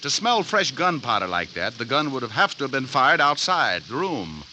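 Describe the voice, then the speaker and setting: An actor playing a dry, sardonic private detective who also narrates, in a 1940s radio drama. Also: male voice, mid-range voice, big pitch swings, normal speed, sharp tone, slight background noise. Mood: wry. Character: wisecracking tough male private eye. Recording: old radio broadcast with music underneath.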